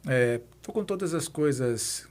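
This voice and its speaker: A man's voice: mid-range voice, lively intonation, measured pace, a little mellow. A Brazilian man in his fifties telling his own story as a podcast guest, in a reflective, explanatory way. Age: 50s. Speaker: podcast guest, president of a nonprofit institute. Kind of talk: conversational interview answers, personal storytelling.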